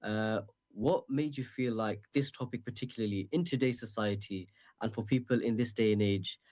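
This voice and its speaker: A man's voice: on the low side, moderate pace, darkish tone. A man interviewing an author, asking a long question with many fillers and hesitations.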